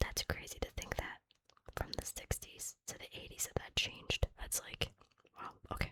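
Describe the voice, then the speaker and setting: Someone is whispering. The pace is moderate. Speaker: ASMR reader. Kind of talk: casual talk to camera between readings. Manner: whispered, relaxing.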